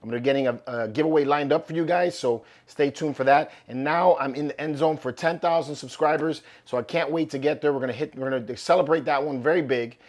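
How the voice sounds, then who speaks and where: A man hosting a collectibles channel, chatting casually through an unboxing while his voice is going hoarse. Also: a little high, quick pace, hardly any pauses. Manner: upbeat, loose and chatty with fillers. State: losing his voice, slightly hoarse.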